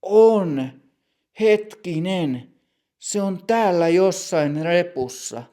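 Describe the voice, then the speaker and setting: A man's voice: high-pitched, animated, warm tone, pitched above the performer's own voice. Man voicing a flustered young customer. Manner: nervous, hesitant.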